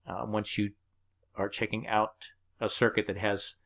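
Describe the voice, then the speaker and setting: A man's voice: on the low side, little pitch movement, measured pace, creaky, a bit bright. A man teaching an HVAC course over slides, walking through the numbers one step at a time. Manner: plain, explanatory, walks through numbers step by step. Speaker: HVAC instructor.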